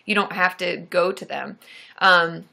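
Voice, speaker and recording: A woman's voice: on the low side, measured pace, vocal fry, bright, forceful tone. A young adult woman therapist hosting a casual live-stream Q&A, chatty and reassuring, with many fillers and restarts.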